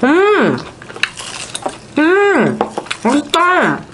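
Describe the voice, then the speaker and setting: A woman's voice: high voice, wildly swooping pitch, normal speed. A young woman vlogger in casual eating chat, murmuring appreciatively while she chews with her mouth full of chicken. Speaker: mukbang vlogger. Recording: clear background noise, clattering dishes.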